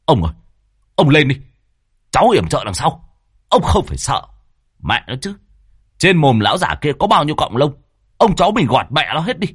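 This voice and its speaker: A man's voice: fairly low pitch, big pitch swings, fairly bright tone, no room sound, studio quality. A man doing a panicky, gossipy village man. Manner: fast, panicky and exclaiming. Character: excitable gossipy middle-aged village man.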